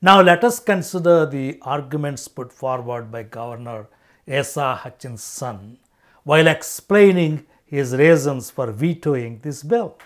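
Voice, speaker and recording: A plain, everyday voice moves at a fairly slow pace with lively intonation and big swings in loudness, on a very clean recording with a silent background. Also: man, fairly high pitch for a man. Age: 40s. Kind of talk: monologue commentary on a listener question.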